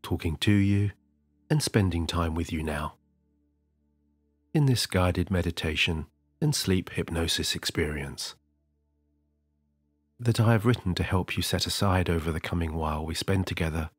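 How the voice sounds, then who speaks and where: Very deep breathy guy, slow soothing hypnosis voice, soft music under it. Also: no echo. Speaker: sleep hypnotist. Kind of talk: slow guided sleep hypnosis. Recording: dry close studio voice over soft music.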